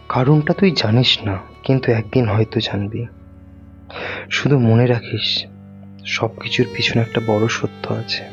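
A man plays a devoted, secretive young man in an audio love story, earnest and anguished. His medium-pitched voice comes through a slightly dull recording, with soft violin music underneath. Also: natural voice. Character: anguished young male lover, twenty-five, secretive and devoted. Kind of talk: dramatic audio story acting.

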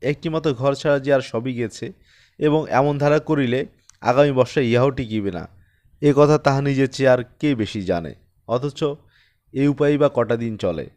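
A man narrating a classic short story as an audiobook in a measured, even storytelling manner. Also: mid-range voice. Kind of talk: scripted literary narration.

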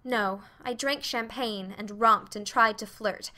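A woman's voice: on the high side, takes it slowly, pushed and bright. A woman voicing a bashful, earnest teenage girl confessing to her mother in a storybook reading.

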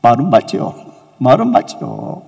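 A male pastor preaching a sermon, telling a story with lively swings between loud emphasis and soft, near-whispered asides. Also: medium pitch, unhurried, gravelly, dull audio. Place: church sanctuary. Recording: echoey church hall.

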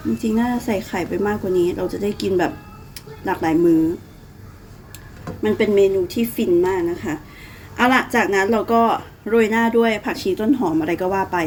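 A woman's voice: mid-range voice, fairly quick, a little hiss or hum, low-quality recording. A woman in her thirties from Thailand with a Northeastern Thai accent, chatting casually through a home cooking vlog and calling herself by her own nickname. She has a cough and some phlegm. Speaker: cooking vlogger.

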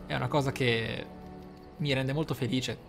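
Guy doing game commentary, kinda dramatic and deliberate, thinks out loud, music playing behind him. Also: medium pitch, steady tone, creaky. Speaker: gaming YouTuber, player. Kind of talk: game playthrough commentary with role-play musing.

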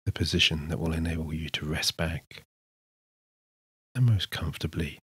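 A man narrating a scripted sleep hypnosis session in a soothing, measured manner with unhurried pauses. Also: very deep voice, fairly even intonation, a bit bright, slightly rough, no room sound, clean studio sound. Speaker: hypnotist, guided meditation narrator.

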